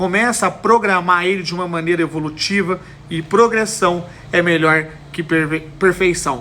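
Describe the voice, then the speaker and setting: An animated male voice at a high pitch and moderate pace, with ordinary pitch variation and noticeable background noise. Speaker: digital marketing coach. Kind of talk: motivational livestream talk. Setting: live stream.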